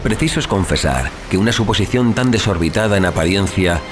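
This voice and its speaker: A man's voice: low-pitched, animated, brisk. A man playing an anguished young adventurer, narrating a horror sea tale in a theatrical, literary, intense style. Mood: awed dread. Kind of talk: dramatic horror audiobook narration. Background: music.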